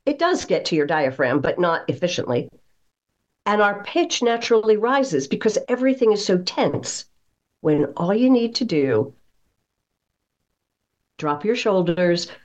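Interviewed as a guest, a female voice coach speaks in a fairly low, somewhat mellow voice, explaining in an instructive style with key phrases emphasized. The recording is a little dull and muffled.

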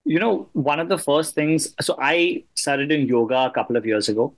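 Guy with a slightly high voice, podcast host chatting in an interview, kinda reflective. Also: normal speed. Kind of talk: conversational interview.

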